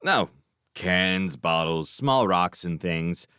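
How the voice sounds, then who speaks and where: A man's voice: deep voice, animated, takes it slowly, sharp tone, smooth, no echo, clean studio sound, heavily acted. A man reading aloud, voicing a shifty spirit disguised as a street orphan, speaking in a sulky, whiny way. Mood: sulky complaining.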